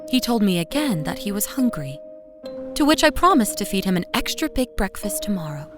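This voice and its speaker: A woman playing a weary, devoted young mother, telling a first-person horror story in an intimate, expressive way. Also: mid-range voice, fairly quick, natural voice. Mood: tender, uneasy. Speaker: narrator of a horror audio drama. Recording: voice over music bed. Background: music.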